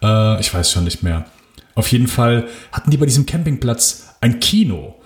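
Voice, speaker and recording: A man's voice: medium pitch, expressive, normal speed. A man in his thirties co-hosting a casual film podcast, rambling with many fillers and restarts. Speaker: podcast co-host. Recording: roomy echo.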